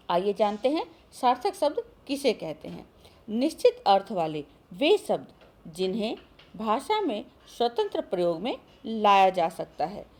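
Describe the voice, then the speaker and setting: Woman schoolteacher, animated and higher-pitched, patient lesson delivery to kids. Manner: addresses children often, asks and answers her own questions. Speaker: school Hindi teacher. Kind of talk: recorded online grammar lesson.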